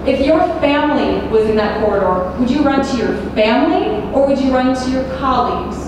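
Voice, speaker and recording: A young adult woman, a student debater, arguing quickly and assertively in a formal debate. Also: sits high, animated. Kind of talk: formal debate, cross-examination. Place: large echoey university hall. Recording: echoey hall, distant mic, background noise.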